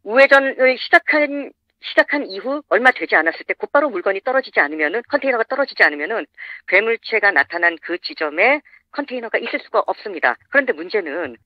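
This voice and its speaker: Anonymous guest w/ voice changer disguise, quick steady talk, dry muffled sound. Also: mid-range voice, dry recording. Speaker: interview guest, anonymous investigator. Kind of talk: explaining findings in a broadcast interview.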